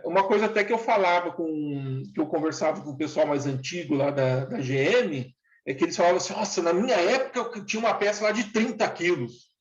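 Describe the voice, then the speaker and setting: A man's voice: on the high side, brisk. Man, 40s, interviewee; plain-spoken and earnest, dull lo-fi recording. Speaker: interviewee, former factory worker. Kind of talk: casual interview talk. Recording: echoey room, dull lo-fi sound.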